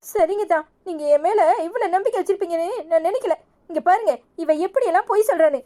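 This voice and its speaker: A woman's voice: extremely high pitch, quick pace, mellow. A woman voicing a sulky young village woman in a cartoon, with a Tirunelveli Tamil accent and a pleading, self-pitying manner.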